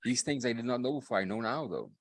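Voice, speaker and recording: A man's voice: mid-range voice, lively intonation, quick pace, no echo. Easygoing man with a mid-range voice. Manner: laughs often, easygoing, repeats "okay, okay". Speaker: podcast co-host. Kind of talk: casual live podcast chat.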